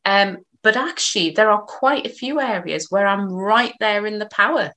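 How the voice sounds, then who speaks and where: A woman's voice: mid-range voice, lively intonation, normal speed, fairly bright tone. A woman with a slight Geordie accent hosting an online discussion, chatty and a little hesitant. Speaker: host. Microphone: video call.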